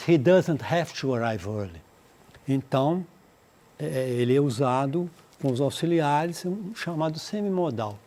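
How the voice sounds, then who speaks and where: A man with a Brazilian accent teaching an English lesson for exam prep. He slows down to model English phrases, then translates and explains them, checking in with "né?" and "tá?". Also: fairly high pitch, mellow. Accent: Brazilian Portuguese. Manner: explanatory, repeats points with "né?" and "tá?".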